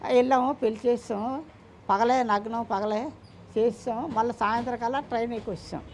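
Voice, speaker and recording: A man's voice: extremely high pitch, fairly even intonation, moderate pace, slight background noise. An older man answering interview questions about his son, speaking emphatically and often repeating himself or quoting what others said. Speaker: interviewee, the father of a man in the news.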